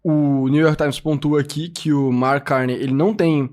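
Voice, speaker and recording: Guy on a politics podcast, kinda high voice, chatty and jokey. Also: steady tone, normal speed, a little mellow. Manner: explains news from charts, loose and joking. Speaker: podcast co-host. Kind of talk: casual political chat.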